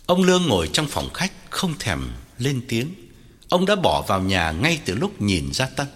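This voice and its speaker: A man's voice: mid-range voice, wildly swooping pitch, measured pace, fairly bright tone, slightly rough. A man narrating a story with dramatic, widely varied delivery. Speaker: audiobook narrator. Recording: long hall reverb, faint music.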